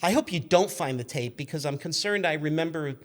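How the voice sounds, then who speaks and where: Male radio-show guest, 50s, higher voice, animated and sweary casual storyteller who stumbles over his phrasing. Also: fairly quick. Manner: animated, profane, stumbling as he tells stories.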